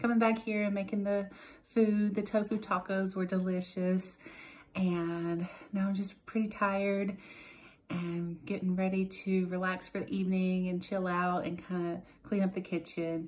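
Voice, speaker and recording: A woman speaks at a moderate pace in a somewhat breathy voice. Her intonation is monotone and flat. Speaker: home vlogger. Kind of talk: casual vlog chat. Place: home room. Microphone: phone near.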